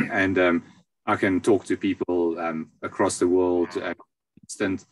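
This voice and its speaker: A low-pitched man is being interviewed over a video call. He explains how he works in a halting way, often pausing in the middle of a phrase. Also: fairly even intonation, low-quality recording. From South Africa. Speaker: interview guest, astrologer and palm reader.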